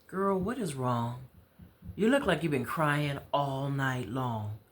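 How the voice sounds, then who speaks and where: A woman's voice: a bass voice, animated, slow, full character voice. An American woman voicing an outspoken, caring woman friend in a story, with blunt, slangy, emphatic delivery. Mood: concerned.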